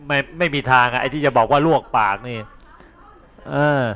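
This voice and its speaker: A man who is a Buddhist monk, retelling an old tale in a loose, chatty dharma talk and pausing to explain words to his listeners. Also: mid-range voice, fairly bright tone. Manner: chatty, repeats words while thinking aloud; explains like a teacher, checks in with listeners. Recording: dull lo-fi recording.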